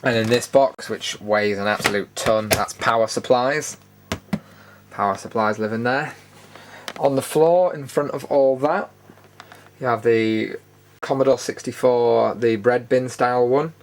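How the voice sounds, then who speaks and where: Here a British man talks a little slowly at medium pitch, hosting a casual, unscripted video tour. His show-and-tell narration is matter-of-fact with a dry, opinionated edge, and the indoor studio recording carries noticeable background noise.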